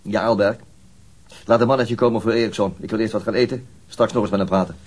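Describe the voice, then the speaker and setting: An actor playing a weary, brusque and dogged police detective, talking conversationally in a radio crime drama. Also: male voice, on the low side, steady tone, fast, darkish tone, a little hiss or hum, lightly acted. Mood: brusque, impatient. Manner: brusque, world-weary, argumentative.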